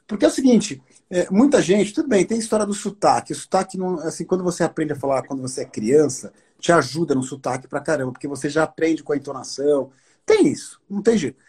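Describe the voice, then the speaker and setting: A man on a live podcast as the guest, talking in a slangy, joking, excitable way. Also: on the high side, quick pace, hardly any pauses, husky. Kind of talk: casual live chat.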